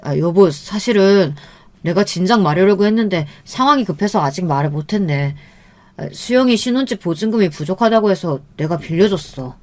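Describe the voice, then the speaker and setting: A woman's voice: on the low side, expressive, fairly quick, a little mellow, natural voice. Sheepish young husband read by a female narrator, placating, evasive, full of excuses, story drama. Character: apologetic, evasive young husband pleading for calm.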